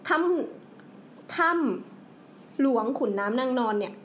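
Podcast co-host, woman, slightly high voice, faint hiss behind, explains slow with fillers. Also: animated. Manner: explains at length with many pauses and fillers. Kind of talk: casual chat.

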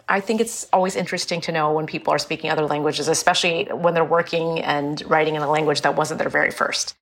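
A woman's voice: fairly low pitch, a bit bright. Woman in her 40s, grew up in illinois, explains things chatty and frank, laughs a bit. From born in India, raised in Illinois. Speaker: author guest. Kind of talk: casual interview conversation.

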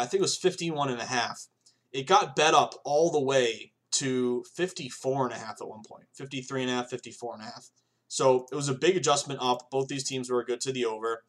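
A man in his thirties hosts a solo sports betting podcast in a loose, rambling way. He leans on fillers and restarts and keeps talking straight to his listeners as "guys". His voice sits at an ordinary pitch. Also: a bit bright. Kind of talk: casual solo podcast monologue.

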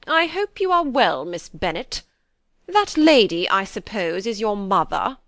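A woman voicing a haughty, imperious older aristocratic lady who speaks stiffly and slowly. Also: mid-range voice, big pitch swings, fairly bright tone, no echo. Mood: stiff, condescending. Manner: stiff, slow and commanding.

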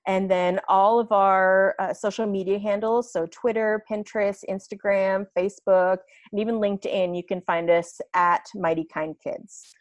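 A woman in her thirties, a podcast guest chatting casually, laughing often and quick to get animated. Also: medium pitch, dry recording, highs cut off. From United States. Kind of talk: casual interview chat.

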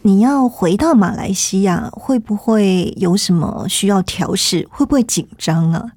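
A female interview host with a soft, dark-toned voice at medium pitch. She is polite and attentive as she leads the conversation. The sound is close and dry. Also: a little slow, no echo.

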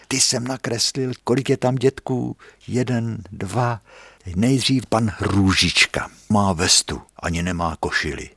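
Husky older man reminiscing softly. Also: sits low, no echo. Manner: unhurried, musing, often dropping to a soft whisper. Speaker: painter telling memories. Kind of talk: reminiscing storytelling. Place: painter's studio.

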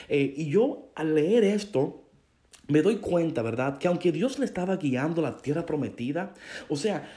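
A male preacher delivers a sermon with a slightly high pitch and a warm, mellow tone. He speaks straight to his listeners, repeats words for emphasis, and mixes in English phrases.

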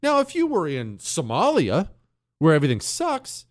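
A man hosts a talk radio show from a studio mic. His pitch swings widely as he rants in mock outrage. He teases a co-host in a blustering, playful way. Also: moderate pace. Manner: animated, ranting, mock-outraged, teasing a co-host. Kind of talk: opinionated talk radio monologue.

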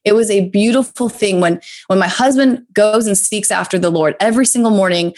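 A woman's voice: mid-range voice, a little fast, darkish tone. A woman in her thirties, a podcast guest, earnestly sharing a faith-based personal story in conversation, often restarting her phrases.

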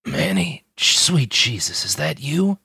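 A man's voice: mid-range voice, huge pitch swings, takes it slowly, vocal fry, sharp tone, slightly rough, no room sound, clean studio sound, voice pushed up, full character voice. A man voicing a wounded, wry army major. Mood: pained. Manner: slurred, pained and wry.

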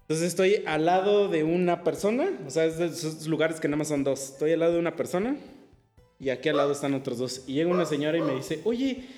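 A Mexican-accented man spins a story for his friends in loose, slang-heavy talk, animated and quick to laugh. His voice sits a little on the high side. Music plays clearly underneath. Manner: slangy, drops "güey" constantly; animated, laughs while telling. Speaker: podcast co-host telling a story. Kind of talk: casual storytelling among friends.

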